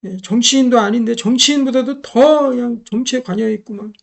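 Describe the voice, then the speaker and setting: A woman's voice: on the high side, brisk, gravelly. A middle-aged woman preaching a sermon, emphatic, repeating key phrases and putting rhetorical questions to the congregation.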